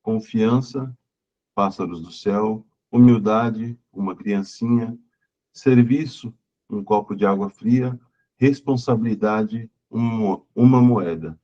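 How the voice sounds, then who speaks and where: A man, a student, reading a text aloud to the class in a measured, list-like way. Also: fairly low pitch, mellow, dull audio.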